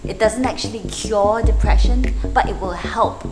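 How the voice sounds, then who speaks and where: A woman's voice: medium pitch, fairly even intonation, normal speed. A woman explaining things as a vlog host in an informal, chatty way, often throwing in rhetorical questions. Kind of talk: casual explanatory video narration. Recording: music behind the voice. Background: music.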